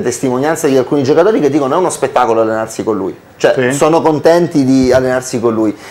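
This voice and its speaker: A man with lively intonation. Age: young. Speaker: sports journalist. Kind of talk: TV sports panel discussion. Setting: TV studio. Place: studio. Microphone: lapel.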